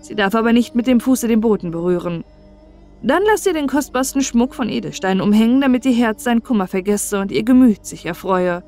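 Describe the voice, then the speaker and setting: A woman's voice: fairly high pitch, animated, fairly quick, dark tone. A woman reads as a solemn young prince in a fairy tale, playing the wise astrologer. The speech is formal and declaimed, over music. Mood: grave, advising.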